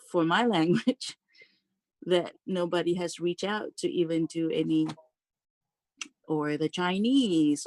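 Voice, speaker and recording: A board trustee speaking up at a public meeting over a video call, earnest and insistent, repeating key phrases. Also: mid-range voice.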